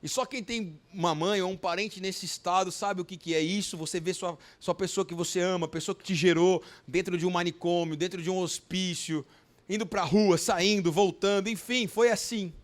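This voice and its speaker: A pastor in his thirties telling a personal story in a sermon, emotional and full of repetitions, swinging between loud and soft. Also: sits high, fairly even intonation, moderate pace. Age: 30s. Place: church service.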